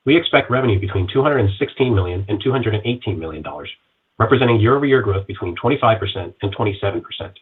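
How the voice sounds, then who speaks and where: A man's voice: fairly low pitch, slightly rough, phone-quality sound. A man in a company finance role reading scripted earnings guidance in a formal, businesslike way.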